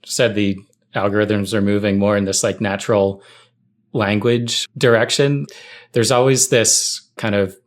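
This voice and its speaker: A man with a fairly low voice speaks in a casual, conversational way. He sounds like a podcast guest sharing anecdotes and practical thoughts. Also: fairly even intonation, unhurried. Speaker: tech writer, podcast guest.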